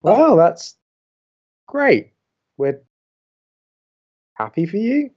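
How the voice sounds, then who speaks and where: Skeptical young radio co-host, dry, hesitant, with lively intonation; audio drama, slightly dull recording. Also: male voice, high-pitched, drawn-out words, slightly rough, full character voice. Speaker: college radio co-host character.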